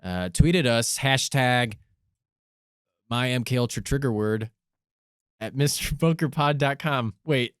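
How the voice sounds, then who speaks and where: A man's voice: mid-range voice, measured pace, pauses often, smooth, no room sound, clean studio sound. A male podcast co-host in casual comedic chat, rambling as he spins joking hypothetical stories.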